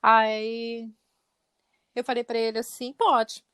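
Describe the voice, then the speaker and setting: A woman guest on a podcast retells a story about her son in casual, lively chat. Her voice sits a little high, and she acts out the back-and-forth of the conversation as she goes. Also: fast, no echo. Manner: animated retelling, acting out dialogue.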